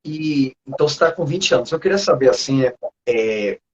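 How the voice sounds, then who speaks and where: This teacher, whose accent is from Northeastern Brazil, conducts a laid-back, talkative video-call interview with a student and laughs often. His mid-range voice moves briskly, though the recording's high frequencies are cut off.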